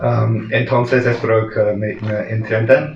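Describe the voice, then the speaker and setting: Over noticeable background noise and audible room echo, a man with a British accent speaks at a fairly slow pace, with medium pitch and fairly even intonation. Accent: non-native Spanish, British. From Jersey, Channel Islands. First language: English (speaking Spanish). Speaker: author, psychiatry researcher. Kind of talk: book presentation speech. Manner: halting, many fillers.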